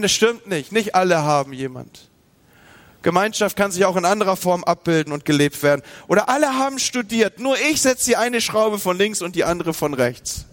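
A man preaching a sermon, from northern Germany, talking straight to his listeners and acting out their inner voices. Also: high voice. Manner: lively, speaks to the listener directly, acts out inner voices. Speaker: pastor.

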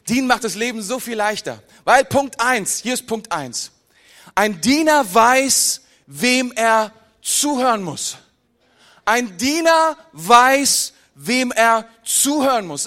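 A male pastor preaches in a high, bright, forceful voice. He talks to his listeners with rhetorical questions and casual asides. For key points he sinks low and soft. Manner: pitch and volume drop low for emphasis. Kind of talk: sermon.

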